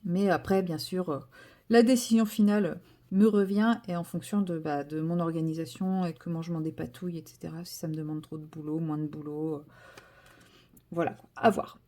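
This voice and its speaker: A woman chatting casually to her viewers from home, her voice mellow and relaxed. She talks in loose, hesitant runs full of fillers and restarts, warming into enthusiasm as she unpacks a craft kit. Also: sits low, brisk. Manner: chatty, hesitant with many fillers, self-correcting. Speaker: vlogger. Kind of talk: casual vlog chat.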